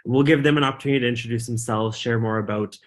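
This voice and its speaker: A man's voice: medium pitch, fast. A man hosting a university webinar, upbeat and welcoming as he introduces the panel. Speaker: webinar host. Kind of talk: event introduction.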